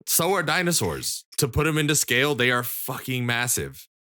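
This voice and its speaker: A man co-hosts a casual podcast, arguing hard and swearing freely. His voice is bright and forceful at a middling pitch. The sound is dry and close, with no room echo. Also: big pitch swings, normal speed. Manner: argumentative, profane, presses questions. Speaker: podcast co-host. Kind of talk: casual chat.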